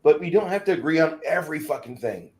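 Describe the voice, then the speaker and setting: A man's voice: on the high side, lively intonation, fast talker. A man in his forties co-hosting a casual livestream, talking bluntly and swearing freely. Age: 40s. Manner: blunt, profane. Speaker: show co-host.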